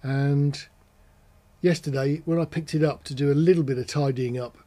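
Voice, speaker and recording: Husky-voiced man explaining things casually. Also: fairly high pitch, steady tone, normal speed, mellow. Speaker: presenter of an audio gear channel.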